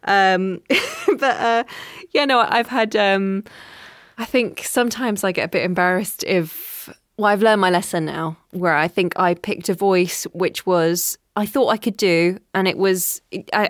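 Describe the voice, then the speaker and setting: A woman's voice: mid-range voice, unhurried, no room sound. A chatty woman who works in voiceover talks through her craft in a casual interview. She laughs easily and pokes fun at herself, in a plain mid-range voice. The sound is close and dry. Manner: chatty, laughs often, self-deprecating. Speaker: voiceover artist, guest.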